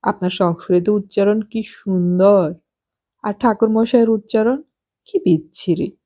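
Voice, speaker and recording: A woman voicing a nosy, gossipy well-off married woman in an audiobook, chatty and sharp-tongued. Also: medium pitch, unhurried, natural voice. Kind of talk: audiobook character voice.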